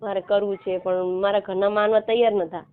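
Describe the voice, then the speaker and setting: A woman in her thirties from Gujarat with a Gujarati accent, explaining haltingly and repetitively as a caller seeking help. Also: mid-range voice, level tone, clear, resonant tone. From Gujarat, India. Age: 30s. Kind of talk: casual phone conversation. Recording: narrow, muffled phone-call line.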